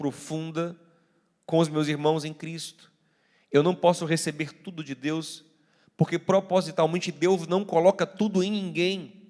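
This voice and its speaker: Here a man talks at a moderate pace with a high pitch. His intonation is fairly even, though his loudness swings widely. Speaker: pastor. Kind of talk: sermon.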